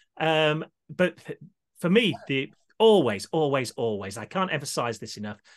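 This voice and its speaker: Very wide pitch swings in a British accent, at a fairly quick pace, with a dry, close sound, no echo and a quiet background. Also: man. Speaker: freelance sports broadcaster. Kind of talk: casual interview chat. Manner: hesitant, repeats words.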